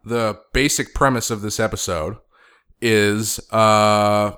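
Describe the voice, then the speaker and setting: Relaxed low-voiced male podcast host. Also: slow pace, clear, resonant tone. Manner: relaxed, rambling with fillers. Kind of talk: casual podcast chat. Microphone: studio microphone.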